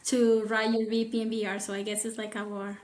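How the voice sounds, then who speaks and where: A woman whose voice sits a bit high speaks carefully in a casual podcast chat, often pausing on "um" and "you know" as she weighs her words. The sound carries a noticeable roomy echo. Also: flat delivery, a little mellow. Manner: thoughtful, hedging with many fillers. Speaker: guest toxicologist.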